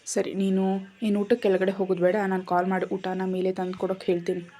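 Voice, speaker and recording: A woman voicing a tender, caring young husband in a storybook reading, speaking gently and coaxingly. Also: medium pitch, monotone, fast talker, natural voice.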